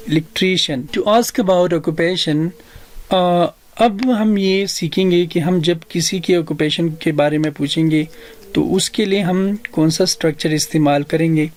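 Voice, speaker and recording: Slow-talking South Asian man teaching, higher-pitched voice. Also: darkish tone. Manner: deliberate, explanatory, repeats phrases for learners. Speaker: English teacher. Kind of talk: bilingual language lesson.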